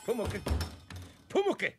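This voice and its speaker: A man playing a gruff but kind-hearted older craftsman with a Bavarian accent in a children's radio play. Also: slow pace, a bit bright, soft background music. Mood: angry, stern.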